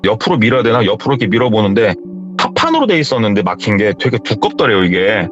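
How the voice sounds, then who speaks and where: A man with a lowish voice talks fast over a muffled recording with faint music in the background. He hosts a horror story radio show, casually retelling a viewer's true story and animatedly acting out the characters' lines.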